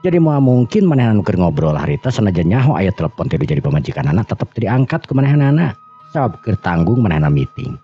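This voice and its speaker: A man with a Sundanese accent and a gravelly, husky voice, telling a serial drama in an unhurried, conversational way. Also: fairly low pitch, very animated. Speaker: storyteller and channel host. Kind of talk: oral storytelling of a serial folk drama. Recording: muffled recording with music underneath.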